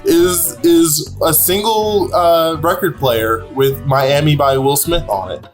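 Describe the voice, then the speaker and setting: A man playing an earnest Amish interview guest with a halting, deadpan delivery in improvised comedy. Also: a little high, faint music behind, voice pushed down.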